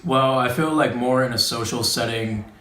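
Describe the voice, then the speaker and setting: A young man from the United Arab Emirates answering interview questions in a relaxed, hedging way, with plenty of fillers. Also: mid-range voice, normal speed, a little hiss or hum. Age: young adult. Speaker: student interviewee. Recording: echoey room.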